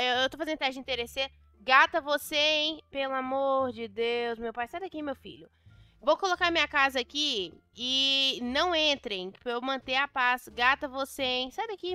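Brazilian woman, game commentary, high bright voice, dramatic and chatty, dry close mic, faint music behind. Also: clear, resonant tone, no room sound. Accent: Brazilian Portuguese. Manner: chatty, dramatic, playfully exasperated. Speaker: gameplay youtuber. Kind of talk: casual gameplay commentary.

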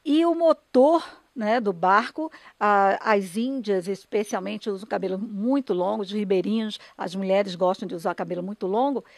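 A woman's voice: mid-range voice, normal speed, hardly any pauses, a little mellow, no echo. A Brazilian woman, a radio dramatist and broadcaster, explaining her work conversationally and earnestly in an interview, often checking for agreement.

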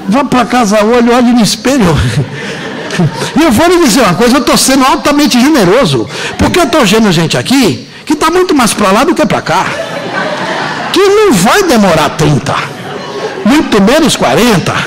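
A man with a Brazilian Portuguese accent lectures a live audience in an auditorium. His voice sits high and leaps all over the place as he stresses his points, slowing into long dramatic pauses between jokes. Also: sing-song, poor audio. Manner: emphatic, joking, drawn-out dramatic pauses. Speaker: seminar lecturer.

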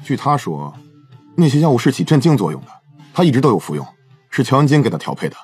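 An actor playing a matter-of-fact police officer in an audio drama. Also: male voice, medium pitch, sing-song, fast talker, a little mellow, husky. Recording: faint music under the voice.

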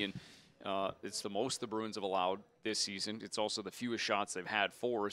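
A man in his thirties hosting a post-game hockey show from a TV studio with a handheld mic. He talks fluently with frequent "uh" fillers as he walks through highlights. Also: bright, forceful tone. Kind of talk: sports post-game analysis. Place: TV studio desk.

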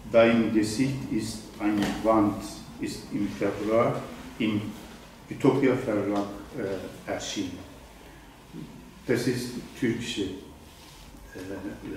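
An older poet from Eastern Anatolia, whose first language is Zazaki, gives a slow introduction and prepared reading in halting German at a literary evening in a wine bar event room, with frequent ums and self-corrections. His voice is on the low side with a steady tone. A far-off camera mic catches him with faint room noise and a very echoey sound.

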